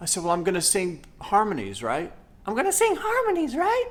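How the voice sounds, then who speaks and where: The delivery comes at a fairly quick pace in an animated tone. Audible room echo surrounds it. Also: man. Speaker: YouTuber and online marketer. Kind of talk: personal storytelling monologue.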